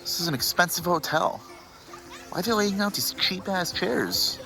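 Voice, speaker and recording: A man's voice: high-pitched, expressive, normal speed, creaky, bright, forceful tone, soft background music, exaggerated voice, rough recording. An actor playing a reluctant, flustered regular-guy husband with hesitant, defensive, slangy talk in an audio fiction podcast. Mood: annoyed.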